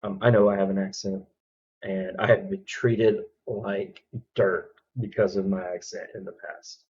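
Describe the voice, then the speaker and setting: A man from Alabama with a Southern accent, reacting to a video in casual commentary, halting with many ums and restarts. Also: deep voice, level tone, a little mellow, muffled recording.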